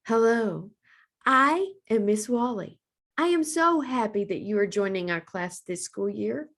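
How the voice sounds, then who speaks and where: A woman's voice: medium pitch, expressive, unhurried. A woman voicing a friendly female walrus preschool teacher in a children's storybook, welcoming small children.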